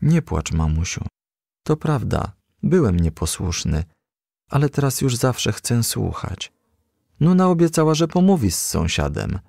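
Man as young male firefly, storybook character, earnest, heartbroken, plaintive, pleading, very animated pitch. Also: unhurried, vocal fry, dry recording, studio quality, exaggerated voice.

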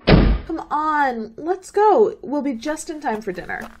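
A woman's voice: high voice, sing-song, slow pace, lo-fi sound, heavy background noise, full character voice. A woman playing a chipper, dismissive, stubbornly optimistic young college student in a radio play. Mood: brisk, impatient.

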